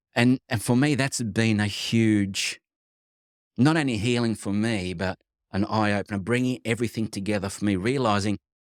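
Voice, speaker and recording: This recording is very clean, and the background is silent. An Australian accent is heard. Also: man, dry, close sound with no echo. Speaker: coaching academy CEO. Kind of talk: podcast interview. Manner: halting.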